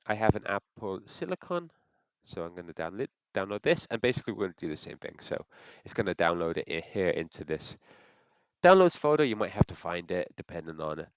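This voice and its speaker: A man's voice: sits low, big pitch swings, brisk, no room sound. Congested man walking through a setup. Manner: thinks aloud with frequent restarts. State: congested from a cold. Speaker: software tutorial presenter. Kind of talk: screen-recorded how-to walkthrough.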